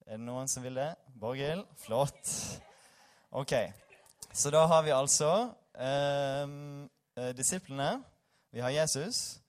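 A tired young man giving an informal sermon in a church hall, joking with the congregation and reading scripture aloud. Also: mid-range voice. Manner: self-deprecating, joking, chatty with the congregation. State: tired after little sleep. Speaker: preacher.

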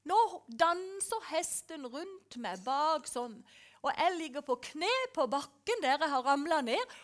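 A woman giving a dramatic testimony of a vision. She drops to hushed whispers and rises to loud, pleading cries as she acts out her prayers to God. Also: high voice. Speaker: preacher telling a vision.

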